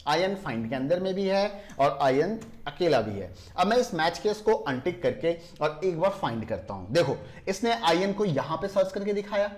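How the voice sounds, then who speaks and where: A man, his voice sitting a little high, walks through a screen-recorded software lesson. He slows down deliberately when defining terms. He keeps asking viewers whether they can see what he means. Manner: explains step by step, asks viewers rhetorical checks. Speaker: computer tutorial teacher.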